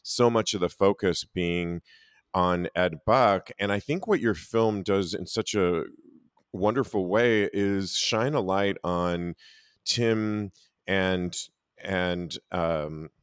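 A man's voice: low voice, takes it slowly, clear, resonant tone, dry recording, studio quality. A man interviewing a filmmaker, asking long questions in an affirming way and sometimes stumbling over words. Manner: warm, affirming, reads statistics aloud, some stumbles.

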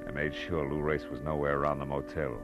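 An actor playing a wry, world-weary private detective in a 1940s radio drama, with a tough, clipped delivery. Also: male voice, extremely low pitch, flat delivery, brisk, music in the background. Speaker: lead actor and narrator.

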